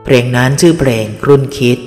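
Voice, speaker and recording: A man reading an audiobook, voicing a gentle, guarded young woman musician who speaks softly and politely. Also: quick pace, natural voice. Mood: explaining. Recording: long reverb with faint music.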